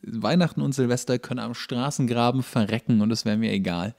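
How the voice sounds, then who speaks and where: A man co-hosting a podcast in casual, joking banter with a grumbling, deadpan sarcasm. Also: medium pitch, a little fast, vocal fry. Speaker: podcast co-host.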